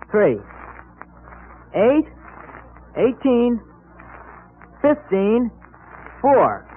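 Eager American boy sidekick, very high voice, deliberate pace, tinny vintage radio drama. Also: full character voice. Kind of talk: 1940s radio serial acting. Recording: scratchy, tinny old radio recording.

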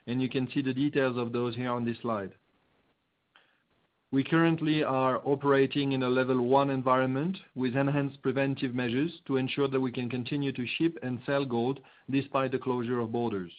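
A man speaks as a chief executive on an earnings call, reading prepared remarks in a stiff, formal way. His voice sits at a medium pitch and comes through a muffled, narrow conference phone line. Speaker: chief executive presenting quarterly results.

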